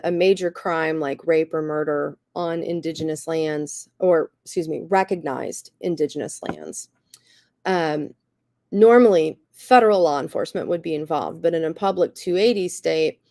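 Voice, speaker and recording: A woman with a slightly raspy voice and a cough, earnestly explaining things as a guest speaker, often saying "you know" and "um". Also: lowish voice, warm tone, no echo, clean studio sound. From Cherokee Nation. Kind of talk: explanatory talk.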